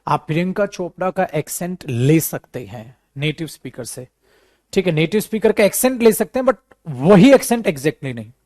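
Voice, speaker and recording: A man's voice: a little high, normal speed, no room sound, clean studio sound. Chatty man teaching spoken English. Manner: addresses students as beta, repeats himself, chatty and animated. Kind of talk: live online class, casual teaching.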